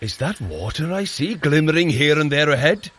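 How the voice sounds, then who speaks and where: An actor playing a boisterous, eager Norse god in an audio drama, exclaiming in a theatrical, grandly formal way. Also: male voice, on the high side, very animated, moderate pace, a bit bright, slight background noise. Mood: awed, curious. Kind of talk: scripted audio drama acting.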